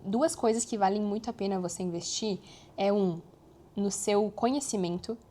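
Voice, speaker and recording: A young woman vlogging, chatting to her viewers in a lively, animated way. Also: medium pitch, normal speed. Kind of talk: casual chat to camera.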